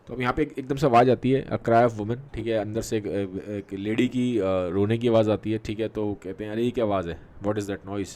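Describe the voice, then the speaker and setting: A man's voice: fairly low pitch, fairly even intonation, a little mellow. Chatty male literature teacher. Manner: mixes Hindi with English terms, many fillers and "theek hai" checks; reads quoted verse slowly with halting restarts. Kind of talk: explaining a play in a lesson.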